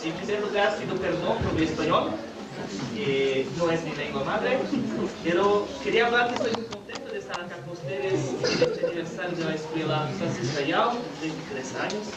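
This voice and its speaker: A man's voice: high-pitched, expressive, normal speed, a loud crowd. A Brazilian man speaking Spanish as a second language, answering earnestly as a radio interview guest, with some hesitant restarts. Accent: Brazilian Portuguese. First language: Portuguese. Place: school hall during an anniversary event. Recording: echoey room from far off, loud noise.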